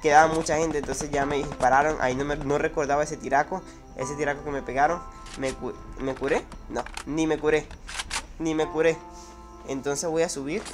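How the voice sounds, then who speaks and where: A young man with a Mexican accent, giving excited, slangy commentary over his own gameplay. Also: a little high, moderate pace, music in the background. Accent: Mexican Spanish. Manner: swings from hushed to shouting, slangy. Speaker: gaming youtuber.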